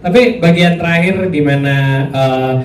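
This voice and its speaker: A man, a film actor answering at a press conference, pausing often to search for words. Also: a little high. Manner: searching for words, many fillers. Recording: distant echoey room.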